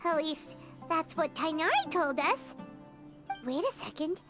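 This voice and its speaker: Tiny game fairy: extremely high, squeaky, bouncy intonation, blunt and chirpy, music behind. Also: female voice, measured pace, full character voice. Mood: worried. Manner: squeaky, expressive, refers to self by name. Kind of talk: cartoonish video game dialogue.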